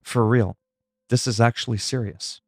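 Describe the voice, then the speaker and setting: A man's voice: mid-range voice, steady tone, normal speed, no echo, studio quality. A man from Canada whose first language is French, chatting casually on a livestream in a self-deprecating, salty, freely swearing way. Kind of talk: casual rambling livestream chat.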